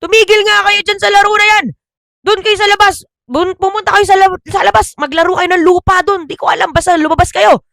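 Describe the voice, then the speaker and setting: A woman voicing a gruff middle-aged father who barks orders in a raised voice, then murmurs low to his wife. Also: fairly even intonation, a little fast, fairly bright tone, dry recording, clean studio sound, heavily acted. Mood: angry yelling. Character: gruff angry middle-aged dad, then sly husband.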